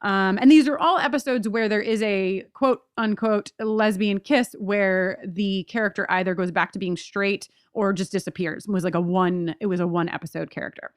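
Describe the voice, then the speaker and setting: A woman podcast host giving conversational commentary on television, expressive and emphatic, with casual asides. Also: mid-range voice, moderate pace, few pauses, clear, resonant tone, no echo, clean studio sound.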